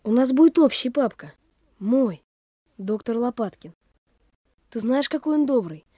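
Gentle, slow-spoken little boy. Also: a little high, animated, no room sound, studio quality. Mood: reassuring. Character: gentle, trusting small boy, army doctor's son. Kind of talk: Soviet radio play acting.

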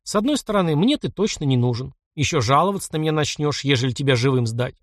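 A man's voice: fairly high pitch, lively intonation, fast talker, no room sound, clean studio sound. A man voicing a sly, ruthless young frontier fighter who talks in mocking, clipped commands. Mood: mocking threat.

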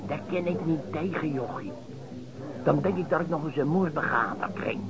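An actor playing a gossipy, grumbling itinerant chair-caner in a radio play, slangy and familiar, with a Netherlands Dutch accent. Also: male voice, fairly high pitch, moderate pace, vocal fry, over loud music, poor audio. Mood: complaining. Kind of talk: radio drama dialogue. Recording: busy crowd chatter behind.

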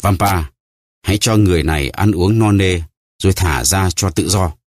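A man voicing a stern, vengeful nobleman who speaks gravely and solemnly, in a deep, dry voice. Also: moderate pace, dry recording, lightly acted.

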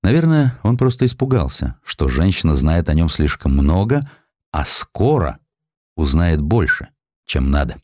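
A man reading a historical audiobook in an expressive, theatrical storytelling manner. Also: sits low, dry recording, clean studio sound. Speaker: audiobook narrator. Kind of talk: dramatic scripted narration of a historical essay.

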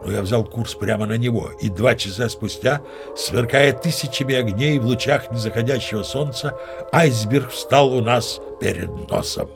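An actor playing a pompous, easily irked sea captain who tells his yarn in a grandiloquent, expressive theatrical manner for an audio play. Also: medium pitch, moderate pace, vocal fry, music in the background, lightly acted. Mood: storytelling.

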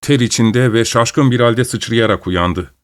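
A man reading a story aloud as narrator in a slow, measured way. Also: medium pitch, no echo. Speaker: audiobook narrator. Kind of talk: scripted narration.

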